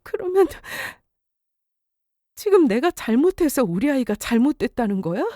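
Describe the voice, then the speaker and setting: A woman's voice: sits high, big pitch swings, normal speed, mellow, no room sound, clean studio sound. A woman playing a young wife who has just lost her pregnancy, emotional and indignant in a radio drama. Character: grieving young wife after miscarriage.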